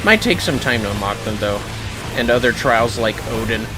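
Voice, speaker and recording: A man's voice: medium pitch, animated, moderate pace, over music, rough recording. A man chatting casually and bluntly, with swearing, while he plays a game on a livestream. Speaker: livestream gamer. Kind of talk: casual chat while playing an online game.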